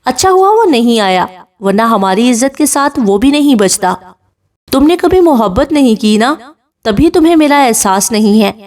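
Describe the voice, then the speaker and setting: A harsh, scolding young man from a spoken novel, performed by a woman. He is a protective younger brother, and his raised voice sits fairly high. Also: animated, a little mellow, natural voice. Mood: stern.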